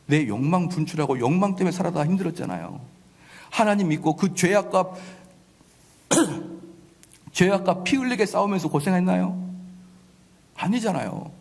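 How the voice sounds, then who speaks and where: A man's voice: high-pitched, vocal fry, a little mellow, breathy edge. Emphatic preaching man in a reverberant church. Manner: emphatic preaching, acts out congregants' complaints. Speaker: pastor. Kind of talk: sermon. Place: church sanctuary.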